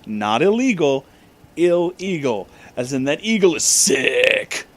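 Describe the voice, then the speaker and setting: A man giving a comic dramatic reading, deliberately enunciating garbled words and dropping in casual asides. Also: on the high side, sing-song. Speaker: reader and commentator of bad fan fiction.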